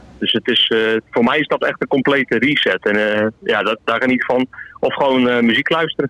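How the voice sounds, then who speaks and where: This man speaks fairly quickly, his intonation fairly even, with noticeable background noise throughout. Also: medium pitch for a man, very even loudness. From Netherlands, near Dordrecht. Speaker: caller, forklift salesman. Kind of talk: phone-in chat. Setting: phone call.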